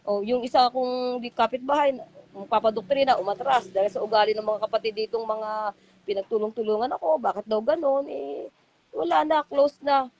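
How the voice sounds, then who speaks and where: A woman's voice: on the high side, fairly even intonation, fairly quick, a little mellow, dull audio. A middle-aged woman, talking as a guest in a heartfelt, rambling way and acting out what others said to her. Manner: rambling, heartfelt, quotes others in their voices. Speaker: guest, former church member. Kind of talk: emotional call-in interview.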